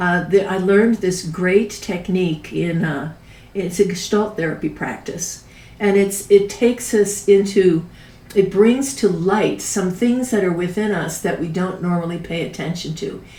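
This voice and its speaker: The pace is fairly slow, with ordinary pitch variation. Room echo is audible. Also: woman, medium pitch for a woman. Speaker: spiritual teacher. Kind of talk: online class.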